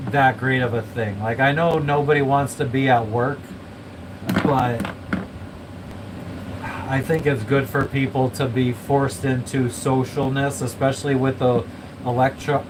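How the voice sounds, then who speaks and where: A man vlogging in casual chat, rambling and swearing freely in a flat, monotone way. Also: medium pitch, a little slow. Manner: rambling, swears a lot, self-described monotone. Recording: noisy room with air conditioning and traffic hum.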